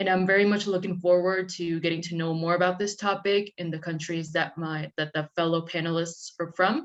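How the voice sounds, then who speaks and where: Speaking fairly quickly with hardly any pauses, a woman with a Spanish accent keeps a flat monotone at a fairly low pitch. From Peru (Lima). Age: 20s. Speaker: journalism student, panelist. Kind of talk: panel discussion introduction.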